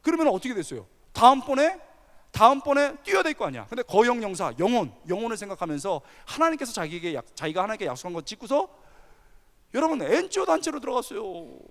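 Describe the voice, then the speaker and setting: A male pastor preaching a sermon, telling a story with animated energy and asking the audience questions. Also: high voice, fast. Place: large church hall. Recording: long hall reverb.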